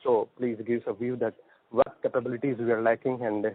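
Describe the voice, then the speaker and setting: A man's voice: mid-range voice, flat delivery, fast. A man with an Indian accent, calling in to put a polite question on a business call. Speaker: caller asking a question. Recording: tinny, band-limited phone line.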